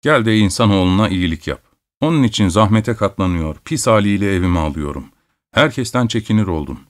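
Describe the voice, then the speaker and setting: Audiobook: male narrator as a fed-up landowner, low and weary. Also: animated, brisk, natural voice. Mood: exasperated. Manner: brooding, exasperated. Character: weary, irritated gentleman landowner.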